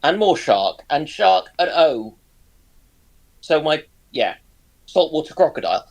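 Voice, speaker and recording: A man's voice: fairly high pitch, very animated, unhurried, vocal fry. A man chatting casually about history in a hesitant, informal way, feeling his way through each sentence.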